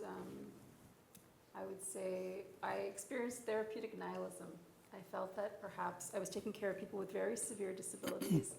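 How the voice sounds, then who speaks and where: A woman in her forties speaks on a panel as a physician, earnest and reflective, pausing often. Her voice has a gravelly texture. The room around her is echoey, with a faint hiss underneath. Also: medium pitch, a little mellow. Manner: earnest, reflective, with frequent ums. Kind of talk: panel discussion, personal account.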